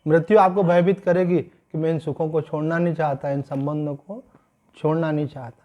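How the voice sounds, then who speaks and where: A man, a swami giving a sermon-style scripture discourse, explaining calmly and slowing down to stress key points. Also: fairly high pitch, dull audio. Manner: calm explanatory teaching, mixing in English phrases, slows to stress points.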